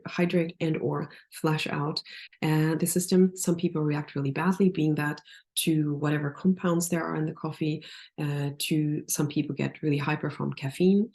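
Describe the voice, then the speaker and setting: A woman with a deep, gravelly voice explains nutrition as a podcast guest. Her tone is dark and relaxed, and she stops often to rephrase her thoughts. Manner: thoughtful, many restarts and fillers. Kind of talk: casual podcast interview.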